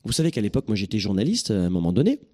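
A middle-aged man, a coach hosting his show, telling personal stories in an animated, emphatic way and often repeating words as he searches for them. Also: lowish voice, rapid-fire, dry recording, studio quality. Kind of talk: motivational talk with personal stories.

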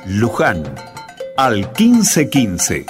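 A man's voice: medium pitch, huge pitch swings, very slow, music in the background. A man reading a scripted radio announcement.

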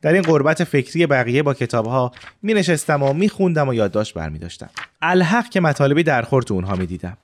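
Man narrating a reflective story, lively pitch. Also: slight background noise. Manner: reflective first-person telling. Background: faint music.

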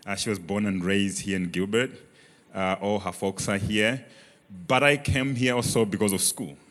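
A man's voice: on the low side, fairly even intonation, normal speed, fairly bright tone. A young man from Malawi with a Malawian accent, sharing his story earnestly in an onstage church interview. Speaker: church member guest. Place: large church auditorium, on stage. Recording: reverberant church hall.

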